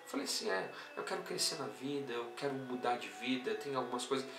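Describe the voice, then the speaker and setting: Brazilian preacher in an echoey room. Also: male voice, mid-range voice, fast talker. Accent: Brazilian Portuguese. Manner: animated, swings between loud exclamations and quiet storytelling. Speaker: apostle teaching a theology class. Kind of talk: sermon-style teaching. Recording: echoey room, voice somewhat far from the mic, faint music.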